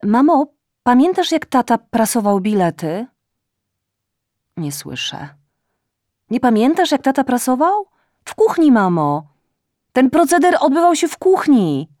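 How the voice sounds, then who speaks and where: A woman's voice: sits high, big pitch swings, measured pace, long pauses, a little mellow, no echo, studio quality, pitched above the performer's own voice. Woman voicing a desperate woman in her forties. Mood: pleading. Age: 40s. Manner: pleading, raised and tense. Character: despairing 49-year-old woman calling her mother.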